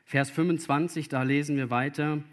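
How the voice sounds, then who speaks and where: A man's voice: a little high, steady tone, normal speed. A man preaching a sermon to young listeners, earnest and speaking to them directly. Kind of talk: sermon to children or youth.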